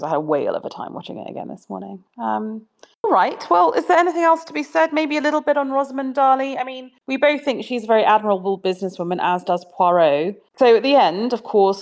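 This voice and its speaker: A woman co-hosting a book podcast, talking enthusiastically and reading passages aloud. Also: medium pitch. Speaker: podcast co-host. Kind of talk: casual book discussion.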